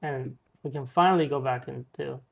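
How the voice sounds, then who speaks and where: A man's voice: mid-range voice, moderate pace, creaky. A man hosting a podcast, casually reading out news stories with plenty of ums and uhs. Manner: relaxed, reads headlines with filler ums and uhs.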